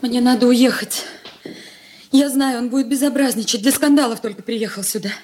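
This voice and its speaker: An actress playing a proud, indignant young married daughter in a radio play, firm and reproachful. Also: female voice, on the high side, fairly even intonation, moderate pace, darkish tone, slight background noise, lightly acted. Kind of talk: 1980s radio play acting.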